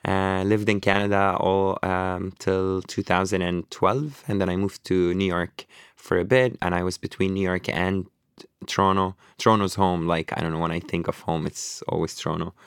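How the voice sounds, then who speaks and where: Deep-voiced man telling travel stories. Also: moderate pace, clear, resonant tone, dry recording, clean studio sound. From Lebanon. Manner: relaxed, rambling, many fillers and restarts. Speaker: author guest. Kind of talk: casual interview conversation.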